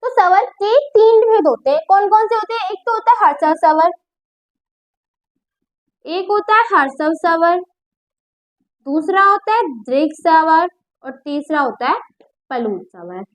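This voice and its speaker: A woman's voice: extremely high pitch, expressive, a little slow, long pauses. A woman teaching a grammar lesson, who explains patiently, repeats her points and checks whether the class understood.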